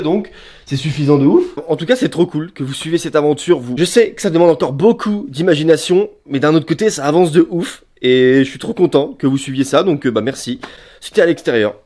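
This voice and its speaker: A young man with a slightly high voice chats his way through the half-built attic rooms of his house. He talks loosely in slang and laughs often. He films himself on a handheld camera indoors. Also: animated, a little fast, a little mellow. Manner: slangy and chatty, laughs often between remarks. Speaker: YouTuber showing his house renovation. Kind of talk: casual vlog walkthrough.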